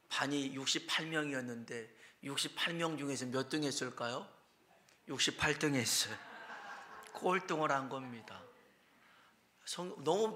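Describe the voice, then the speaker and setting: Male pastor, storytelling sermon, bright and a touch high, swings between whispers and loud emphasis. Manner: conversational with asides and self-corrections. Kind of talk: Sunday morning sermon, storytelling.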